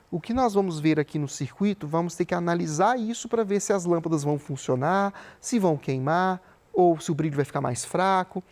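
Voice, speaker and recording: Um homem dando uma aula gravada de física, explicando com paciência e conferindo a compreensão dos alunos a cada passo. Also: male voice, high-pitched, a little mellow. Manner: patient, explanatory, often checks in with "tá?". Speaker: physics teacher. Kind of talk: recorded remote class lesson. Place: studio with a flip chart.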